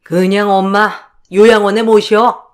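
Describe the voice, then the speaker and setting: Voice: mid-range voice, flat delivery, a little slow, smooth, natural voice. An actor voicing a cold, self-serving older mother-in-law with a curt manner.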